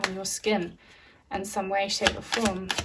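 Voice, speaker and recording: A woman speaks with a German accent at a medium pitch, her intonation monotone and flat. Noticeable background noise runs behind her. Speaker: tarot reader. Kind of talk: pick-a-card tarot reading. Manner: hesitant, many fillers.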